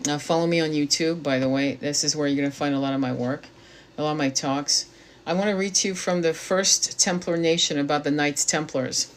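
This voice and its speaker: Lowish woman's voice, reads a book out loud then rambles off blunt and sweary, trips on words. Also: brisk, slight background noise. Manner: blunt, swears freely, stumbles over words while reading aloud. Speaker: tarot reader and spiritual channel host. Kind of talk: casual reading and commentary.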